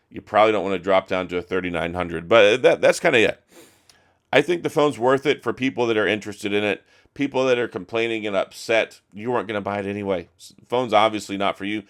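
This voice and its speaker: A middle-aged man talks straight to camera in a loose, opinionated way, often restarting his sentences. His voice is hoarse and worn from days of talking. It sits a little low. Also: a bit bright. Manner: chatty, opinionated, frequent restarts. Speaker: tech reviewer. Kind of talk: casual talk to camera.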